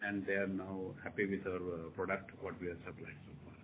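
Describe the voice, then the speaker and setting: Indian male executive, low voice, reassuring and repetitive, on a noisy phone conference line. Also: little pitch movement, fairly quick, narrow, tinny audio. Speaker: company executive answering analyst questions. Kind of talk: unscripted earnings call answers. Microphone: telephone conference line.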